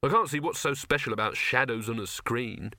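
Guy reading as a polite young student in an audiobook, sceptical and unimpressed, crisp bright tone, very dry sound. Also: medium pitch, a little fast, no room sound. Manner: unimpressed, questioning.

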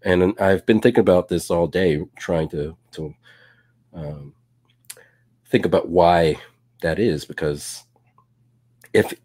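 A man with a very deep voice co-hosts a casual live show. He thinks out loud, stumbling and restarting often. The sound is close and completely dry. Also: takes it slowly, long pauses, dry recording. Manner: hesitant, with many restarts and fillers. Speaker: co-host.

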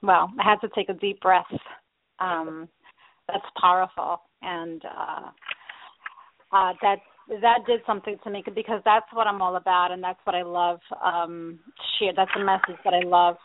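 A woman's voice: lowish voice, level tone, moderate pace, dry recording. A woman co-hosting a radio talk show, responding in a heartfelt, emphatic way. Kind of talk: casual chat. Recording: tinny phone line.

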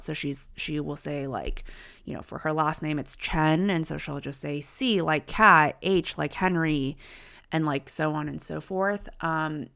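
A young woman co-hosts a podcast and tells a family story in a reflective, easygoing way. Her voice is low with a gravelly fry, and her speech stays clear and smooth. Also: a bit bright. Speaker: podcast co-host. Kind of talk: casual conversation.

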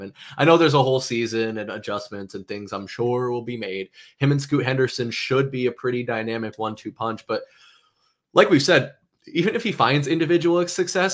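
A man's voice: mid-range voice, a bit bright. A man co-hosting a live sports show, talking in a loose, rambling way and swearing now and then. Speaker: podcast co-host. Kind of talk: casual sports chat.

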